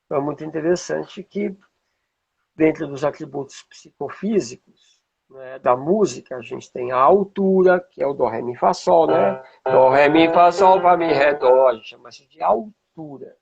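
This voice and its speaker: A Brazilian man with a husky, gravelly voice, teaching informally and checking in with rhetorical questions, as a music teacher would. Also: a little high, normal speed, darkish tone, muffled recording. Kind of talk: informal explanatory talk with demonstrations.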